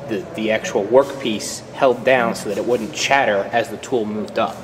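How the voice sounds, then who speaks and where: A man's voice: fairly low pitch, steady tone, normal speed, big-room sound, background noise. A man hosting a casual vlog tour of a machine shop, easygoing and stumbling over words as he explains. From United States. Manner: easygoing, repeats words while thinking. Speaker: channel host. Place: machine shop at an outdoor engine show.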